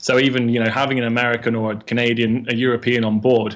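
A man talks at a very fast pace with an English accent, his medium pitch held in a monotone, flat intonation. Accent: British English, English. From England, Oxford. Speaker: guest, travel entrepreneur. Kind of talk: casual interview.

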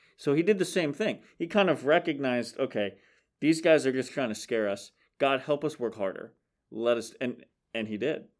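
A plain, everyday voice from a man at medium pitch and moderate pace, in a very clean recording against a silent background. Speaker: high school youth director. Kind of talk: casual chat about scripture.

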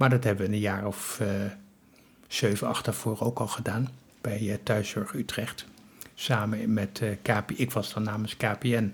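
Speaking at a fairly slow pace with long, frequent pauses, a man keeps a fairly low pitch and fairly even intonation. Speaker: professor. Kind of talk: interview.

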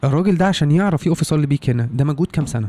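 The voice has a dark, mellow tone and ordinary pitch variation, with a dry, close sound and no echo. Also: man. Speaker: public speaking coach. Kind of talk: casual interview chat.

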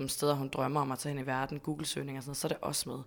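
A woman speaks with a very deep, low pitch. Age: 30s. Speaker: publishing promoter of children's literature. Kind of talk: interview. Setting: publisher's office.

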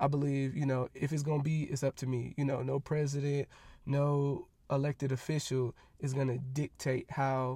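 On a very clean recording with a silent background, a man talks at a fairly quick pace in a fairly high, dark, mellow, somewhat breathy voice that stays monotone and flat. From Atlanta, Georgia. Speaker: podcast host, elementary school educator. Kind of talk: casual solo monologue. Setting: in a car.

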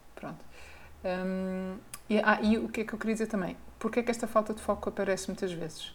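Long, frequent pauses break up fairly quick speech delivered in a monotone, flat intonation with a European Portuguese accent. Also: woman. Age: 40s. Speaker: podcast co-host. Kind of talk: casual chat. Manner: halting, repeats words.

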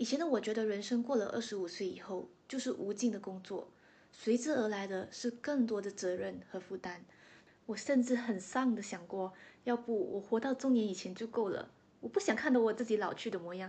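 With a dark, mellow, somewhat breathy tone, a woman talks at a moderate pace in a fairly high pitch with ordinary pitch variation. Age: 20s. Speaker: vlogger / podcaster. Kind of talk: personal reflection monologue.

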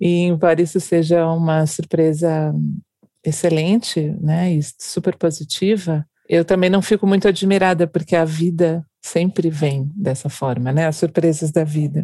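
Her fairly low voice has a dark, mellow tone, very even loudness and fairly even intonation. The woman speaks at a fairly slow pace, with a dry, close sound and no echo. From Brazil, São Paulo city. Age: 40s. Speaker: career changer in tech, trainee product owner. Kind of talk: interview.

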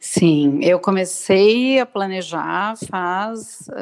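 Lively intonation in a woman's medium-pitched speech. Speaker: entrepreneur and body therapist. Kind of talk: interview.

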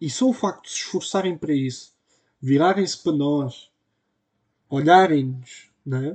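With a Lisbon accent, a man speaks at a fairly high pitch in a dark, mellow tone. Pitch variation is ordinary, and the background is quiet. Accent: European Portuguese, Lisbon. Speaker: podcast host. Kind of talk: casual monologue. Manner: halting, many fillers.

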